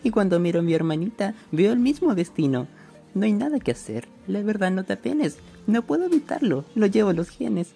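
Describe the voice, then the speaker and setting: A Chilean woman playing a melancholy, fatalistic gay teenager in a radio play, with a creaky voice. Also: mid-range voice, mellow. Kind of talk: rhymed radio play monologue.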